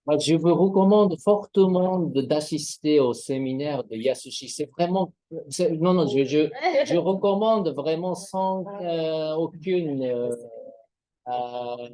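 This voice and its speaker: A man talks slowly and modestly after a seminar, repeating his words as he searches for them. His voice is mellow and dark, recorded dry and close. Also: on the high side, no echo. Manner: halting, repeats himself, modest. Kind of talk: informal remarks after a seminar.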